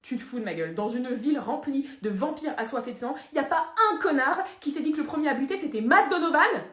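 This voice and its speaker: A woman's voice: high-pitched, lively intonation, quick pace. A woman playing a blunt, clueless young woman. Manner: offhand, blunt. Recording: roomy echo.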